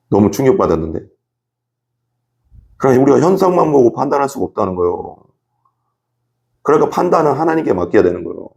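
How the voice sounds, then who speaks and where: A man's voice: medium pitch, vocal fry, a little mellow. A man preaching a sermon as pastor. He repeats words for emphasis, acts out little scenes, and keeps asking his listeners questions. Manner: emphatic, repetitive, acts out examples and asks the congregation questions.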